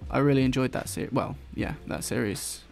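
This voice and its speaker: A man with an English accent softened by London, chatting casually and rambling while he draws, swearing now and then and dropping his t's. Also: medium pitch, fairly quick, vocal fry, faint music behind. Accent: English, London-influenced. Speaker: YouTuber drawing on stream. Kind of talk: casual chat while drawing.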